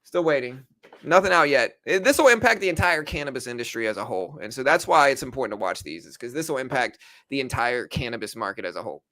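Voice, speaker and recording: A man's voice: medium pitch, lively intonation, quick pace, bright, forceful tone. A man in his thirties hosting a casual trading livestream, laid-back and rambling, full of slang. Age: 30s. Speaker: livestream host. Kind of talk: casual livestream chat about stocks.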